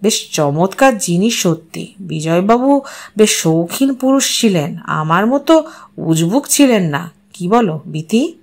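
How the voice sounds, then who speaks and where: Audio story husband, female reader: lowered voice, courteous, playful, conversational, affectionate. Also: expressive, a little slow. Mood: casual, courteous. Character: gently teasing husband, adult man, fond and courteous.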